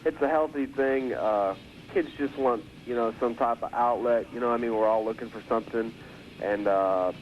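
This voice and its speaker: A record producer calling in by phone, speaking casually and hesitantly with many fillers, heard from a worn tape copy. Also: male voice, medium pitch, moderate pace. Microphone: telephone. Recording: dull phone line on worn tape with hiss.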